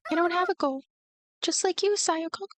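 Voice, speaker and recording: A woman voicing a gentle, giggly, self-effacing ghost girl in a visual novel, soft-hearted and meekly accepting. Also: very high-pitched, normal speed, dry recording, voice pushed up. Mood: quiet.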